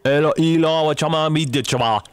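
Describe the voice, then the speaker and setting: A man's voice: a little high, fairly quick, close to an everyday voice. A man putting on a pushy, demanding foreign house buyer on a prank call, with a mock East Asian accent and blunt broken English. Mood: confused, rambling. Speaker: radio prank caller. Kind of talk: prank phone call, comic character.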